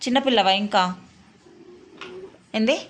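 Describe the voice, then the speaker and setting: A woman, a mother talking with her children at home, scolding and coaxing in turn. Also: a little high. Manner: scolding then coaxing, quick. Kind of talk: casual family talk.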